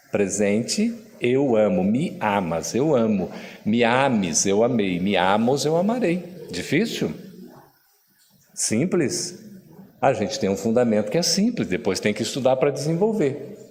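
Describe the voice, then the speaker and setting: A middle-aged Brazilian man lectures in a big echoing hall, his pitch bouncing up and down as he teases and quizzes his listeners. He drills words slowly and clearly, in a warm, playful teaching manner. The long reverb of the room trails each phrase. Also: very animated, slight background noise. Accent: Brazilian Portuguese. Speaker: spiritist lecturer teaching Esperanto. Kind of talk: lively lecture to a live audience.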